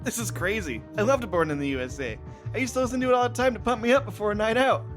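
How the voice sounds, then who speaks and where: A man's voice: high-pitched, lively intonation, fast, over music. A man voicing an eager, slightly anxious young concertgoer in a hobby audio drama, earnest and keen to feel important.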